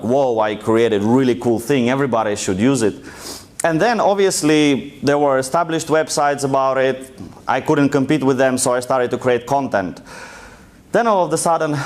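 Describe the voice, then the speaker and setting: In a lecture room, a young conference speaker from Russia, heavily accented, delivers a live talk full of jokes and loose, casual storytelling. His voice is mid-range and a little mellow.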